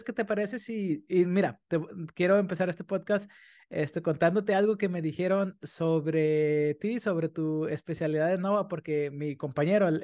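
A man's voice: a little high, darkish tone. A man hosting a podcast, asking chatty, rambling questions. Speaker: podcast host. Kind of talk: casual interview.

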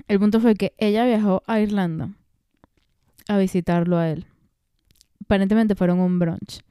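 A young woman hosts her podcast in a loose, rambling way. Her voice is very dark and mellow, smooth and resonant. The sound is dry and close. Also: medium pitch, steady tone, normal speed, no room sound. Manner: chatty, digressive, laughs often. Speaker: podcast host. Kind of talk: casual chat.

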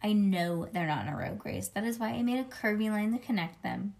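A woman voicing a boastful, excitable kindergarten girl who narrates her day in childish grammar, as in a storybook read-aloud. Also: medium pitch, a little fast, vocal fry. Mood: sulky. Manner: childish grammar, bragging, dramatic emphasis.

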